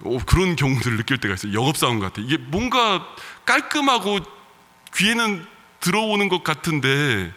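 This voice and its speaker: A male pastor with a regional Korean dialect accent, preaching a conversational sermon with soft laughs and fillers. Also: mid-range voice, long reverb tail. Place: church sanctuary.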